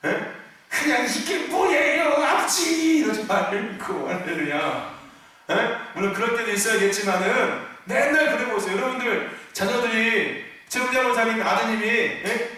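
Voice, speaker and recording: A male pastor delivers a Friday sermon with a high, bright, ringing voice. He keeps firing questions at the congregation, acts out whiny complaints and punctuates his points with hallelujah and amen. The sound is very echoey, picked up at a distance in a church sanctuary. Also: normal speed.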